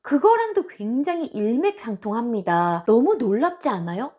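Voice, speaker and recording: A woman's voice: on the high side, normal speed. A woman hosting a self-improvement channel, talking casually and expressively to her viewers. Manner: animated and expressive, with acted-out quotes.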